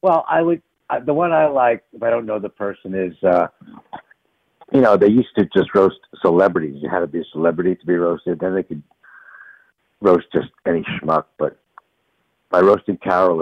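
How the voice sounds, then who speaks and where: A man on speakerphone over a phone line, a comedy writer talking as a guest in a dry, deadpan way. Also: deep voice, fairly quick, gravelly, dry recording. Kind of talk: casual call-in interview.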